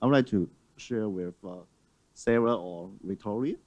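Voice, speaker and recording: A man moderating a panel discussion on a large auditorium stage, speaking haltingly with many fillers and restarts. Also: on the low side, darkish tone.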